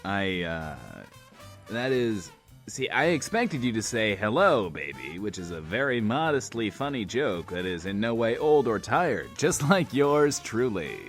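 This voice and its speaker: An actor playing a vain, playful post-apocalyptic radio host in an audio drama, grandiose and coy, often speaking of himself in third person. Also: male voice, fairly low pitch, big pitch swings, unhurried, soft background music. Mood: flustered, coy.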